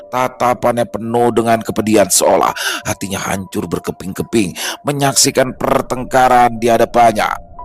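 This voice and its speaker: A man narrating a scripted horror story in a slow, hushed, dramatic way. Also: on the low side.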